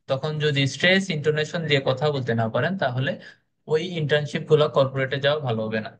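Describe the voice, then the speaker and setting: Young guy trainer talking fast, chill and encouraging, lots of uhs, faint noise behind. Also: on the high side, fairly bright tone. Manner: casual, encouraging, many fillers. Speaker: speaking club trainer. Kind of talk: orientation class talk.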